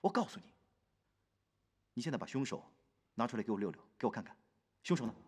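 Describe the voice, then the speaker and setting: A man's voice: mid-range voice, sing-song, quick pace, breathy edge. An actor playing a blustering, fawning police bureau chief in a Chinese period TV drama, fussy and repetitive in his pompous delivery. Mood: indignant, scolding. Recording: echoey hall reverb.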